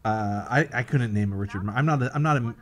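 A man's voice: mid-range voice, fast. A man co-hosting a live game stream, relaying viewer requests in a dry, laid-back way. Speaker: stream co-host reading chat. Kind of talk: casual live stream chat.

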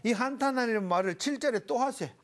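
A middle-aged man, a pastor giving a Bible lecture to a panel in a folksy, animated way. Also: very high-pitched, fast talker. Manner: animated and folksy, explains Hebrew words in homely terms.

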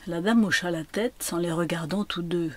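A woman reading literary prose aloud, with slow, measured, hushed narration. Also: on the low side. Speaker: reader.

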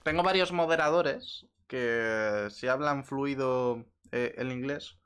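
A young man chatting casually while streaming a game, relaxed and quick to laugh. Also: mid-range voice, a little hiss or hum. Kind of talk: casual gameplay livestream chat.

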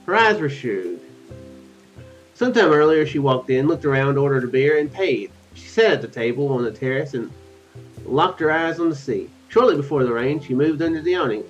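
A man in his thirties reading game text aloud and adding rambling, casual commentary as a let's play host. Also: medium pitch. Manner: rambling, musing asides. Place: small room at home. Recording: dull lo-fi audio with music behind. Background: game music.

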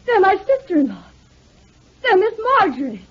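Muffled old radio: haughty, evasive wife, flustered, very high and swooping. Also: female voice, sing-song, moderate pace. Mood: distraught. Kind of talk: 1940s radio melodrama acting. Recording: muffled, hissy 1949 radio recording.

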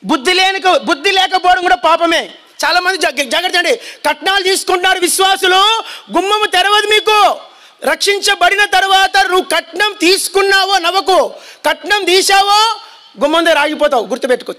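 A man preaching with fire to a congregation, his voice very high and sharp. He shouts his warnings and keeps pressing the listeners to answer and repeat after him. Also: a little fast. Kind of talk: fiery sermon. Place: church hall before a congregation.

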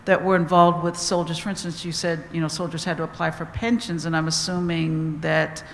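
A woman's voice: sits low, flat delivery, brisk, a little hiss or hum. A woman in the audience asking the panel a long, meandering question, searching for words as she goes. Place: auditorium audience. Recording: roomy echo, distant from the mic, faint ambience.

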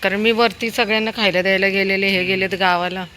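A woman's voice: mid-range voice, steady tone, fast talker, fairly bright tone, slight background noise. A woman filming her dog on a phone outdoors, chatting and coaxing it and the children around her. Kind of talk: casual vlog chat.

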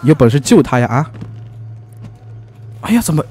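A man commenting on his gameplay in a lively, excitable way. His pitch is a little high and moves up and down a lot. He teases the other players and exclaims often, and faint game music plays under his voice. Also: moderate pace. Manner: excitable, teasing, frequent exclamations and laughs. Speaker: gaming YouTuber. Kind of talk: let's play commentary.

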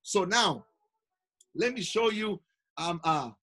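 A man's voice: high voice, expressive, takes it slowly, a bit bright. A man presenting a lesson on pin trading to youth learners, repeating himself, restarting phrases and adding asides to the learners. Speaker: Pathfinder instructor.

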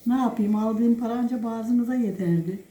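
Older woman, toothless speech, mellow tone, homely recipe presenter in an echoey room. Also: a little high, moderate pace. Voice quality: toothless, soft-edged articulation. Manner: folksy, addresses viewers as friends, speaks in blessings. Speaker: home cook presenting a recipe. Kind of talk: casual homely cooking demonstration. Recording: roomy echo, faint background noise.

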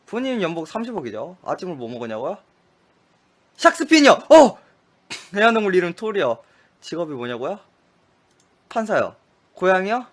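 A man playing a memory quiz game aloud, rattling off short clipped answers and cursing at his own mistakes. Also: a little high. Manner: frustrated outbursts and muttered curses at mistakes. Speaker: gaming streamer.

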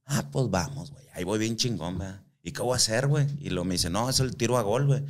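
Man, low voice, slangy storyteller, swears freely. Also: animated, fast. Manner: slangy, swears a lot, acts out quoted voices. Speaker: guest. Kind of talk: casual storytelling.

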